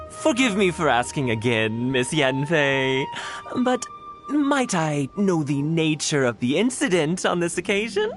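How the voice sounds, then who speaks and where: An actor voicing a careful, courteous middle-aged jeweler in a video game who speaks hesitantly. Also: male voice, fairly high pitch, sing-song, measured pace, music in the background.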